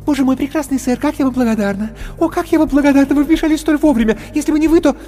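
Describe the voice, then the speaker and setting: A breathless young clown girl gushes in a very high, fluttering voice, as a male reader puts her on. She pours out thanks and admiration without pause. The storybook reading has a long, echoing reverb and faint music underneath. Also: dark tone. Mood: gushing. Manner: breathless, gushing, falsetto. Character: gushing, effusive young woman clown. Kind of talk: audiobook character voice.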